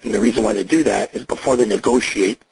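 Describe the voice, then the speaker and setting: A man on a recorded jail payphone call, coaching and reassuring the caller in a profane, steady way. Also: lowish voice, quick pace, gravelly, slightly rough, poor audio. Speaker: agent on a phone call.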